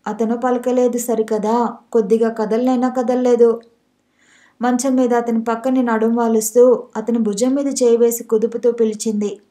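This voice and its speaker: A woman narrating a romance novel as an audiobook reader, in steady storytelling. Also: on the high side. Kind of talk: scripted narration.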